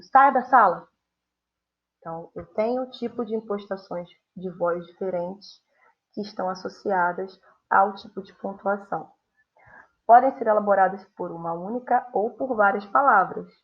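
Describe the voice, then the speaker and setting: A woman's voice: mid-range voice, breathy edge. A young adult woman with a Brazilian Portuguese accent, teaching a recorded grammar lesson and voicing example sentences with strong intonation. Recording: dull lo-fi sound.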